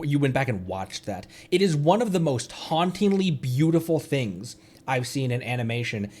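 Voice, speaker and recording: Musing male streamer, lively pitch. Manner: musing, halting, repeats and restarts phrases. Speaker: livestream host, VTuber. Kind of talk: casual game stream commentary.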